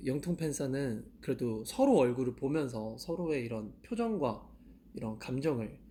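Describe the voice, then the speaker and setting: Lively young man chatting on a live stream. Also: medium pitch, normal speed, a little hiss or hum. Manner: chatty, self-questioning, laughs often. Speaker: idol live-stream host. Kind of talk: casual live-stream chat. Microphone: handheld mic.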